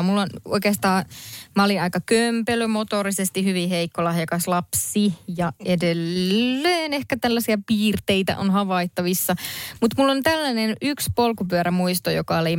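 A woman on a panel show telling a self-mocking childhood story in a casual, animated way. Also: mid-range voice, smooth, no room sound, studio quality.

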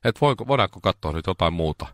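A man's voice: no echo, studio quality. A man hosting a radio show, telling stories in casual chat. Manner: animated storytelling, jumps into high voices when quoting.

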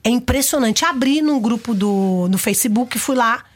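A middle-aged Brazilian woman with a Brazilian accent, a guest on a talk show, telling stories in a lively, expressive way into a studio mic. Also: fairly high pitch, normal speed. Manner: animated, expressive storyteller. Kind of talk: casual conversational interview. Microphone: studio microphone.

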